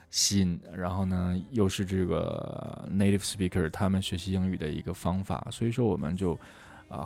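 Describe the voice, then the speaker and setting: A middle-aged man teaching how to memorize English words, lively and full of rhetorical questions. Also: low-pitched, vocal fry. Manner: lively, rhetorical questions, often asks "right?". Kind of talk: lecture on memorizing vocabulary.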